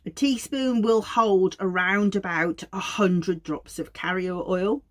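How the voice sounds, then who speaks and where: A woman's voice: medium pitch, fairly even intonation, slow pace. A woman with a Black Country accent from Wolverhampton giving an informal educational talk to viewers, explaining things in a chatty, self-deprecating way. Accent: Black Country English (Wolverhampton). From Wolverhampton, England. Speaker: aromatherapy educator and host.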